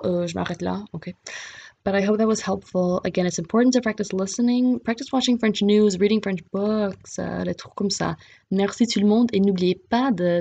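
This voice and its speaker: A woman's voice: mid-range voice, creaky, dark tone, husky, lo-fi sound. A woman giving a casual French listening lesson, mixing English explanations with French and reading a book passage aloud. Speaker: French teacher.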